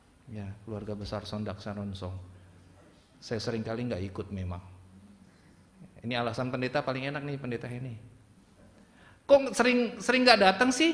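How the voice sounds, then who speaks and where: Audible room echo surrounds a man talking at a fairly quick pace with big swings in loudness and long, frequent pauses. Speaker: pastor. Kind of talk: sermon. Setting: church. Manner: conversational, engages congregation.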